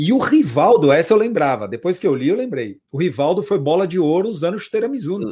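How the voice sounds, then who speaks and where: Talking at a fairly quick pace with hardly any pauses, a man with a high pitch and a dark, mellow tone makes very wide pitch swings. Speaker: podcast co-host. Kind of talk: casual chat.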